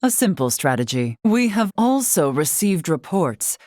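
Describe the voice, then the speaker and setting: A woman voicing a dignified, wise older tribal leader and warrior in a video game, with formal, archaic, measured diction. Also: lowish voice, big pitch swings, darkish tone, dry recording, clean studio sound. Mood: resolute. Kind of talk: scripted video game voice acting.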